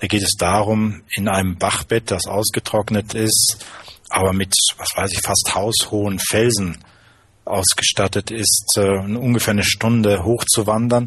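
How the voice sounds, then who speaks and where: Somewhat breathy, fairly low-pitched male speech at a fairly slow pace, with monotone, flat intonation. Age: 50s. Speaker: doctor running a father-son camp. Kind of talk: interview.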